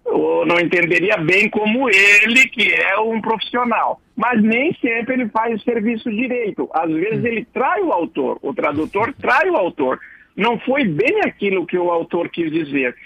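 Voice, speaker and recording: Gravelly high-voiced male radio columnist. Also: lively intonation, moderate pace, bright, forceful tone. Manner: digressive, chuckling, lecturing. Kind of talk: casual explanatory radio column. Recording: dull lo-fi radio broadcast.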